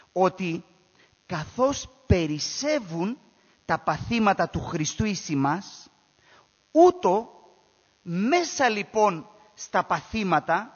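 A high-pitched man preaches a sermon, stressing his points by repeating key phrases and posing rhetorical questions to his listeners. His voice carries a long echo through a church hall, and the recording sounds dull and lo-fi.

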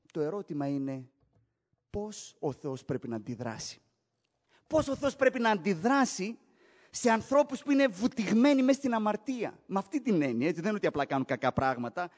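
A man preaching a sermon, swinging from hushed, slow passages to loud, urgent ones and asking his listeners rhetorical questions. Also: high voice. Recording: hall reverb.

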